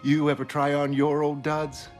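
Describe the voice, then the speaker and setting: A man's voice: on the high side, completely flat delivery, moderate pace, lightly acted. A man voicing a teasing, worldly older woman, a retired heroine chatting on the phone. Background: music.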